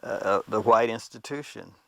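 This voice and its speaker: A man giving a reflective documentary interview, haltingly searching for his words. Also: fairly low pitch, vocal fry, no room sound.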